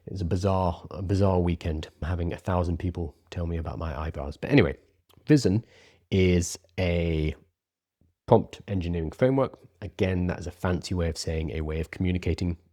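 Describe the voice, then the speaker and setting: A man's voice: deep voice, a little fast. A man presenting a lesson conversationally, informal and explanatory, stressing key points, with R's that sound like W's. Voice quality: soft R's pronounced like W's. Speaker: presenter teaching prompt writing.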